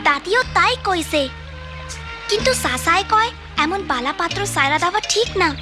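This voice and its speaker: A woman's voice: very high-pitched, animated, normal speed. A woman voicing a brave, eager young village girl in a cartoon. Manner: eager, chatty. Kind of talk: cartoon voice acting. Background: loud music.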